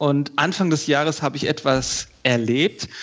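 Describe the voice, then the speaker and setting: The man's pitch is fairly high, with ordinary variation, and his pace is very slow. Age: 40s. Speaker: IT company owner. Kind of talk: interview.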